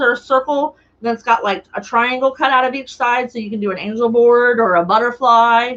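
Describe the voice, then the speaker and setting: A woman with an American accent talks at a fairly quick pace. Her pitch is high. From Illinois. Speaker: crafter. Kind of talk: craft tutorial livestream. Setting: live stream. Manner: loud.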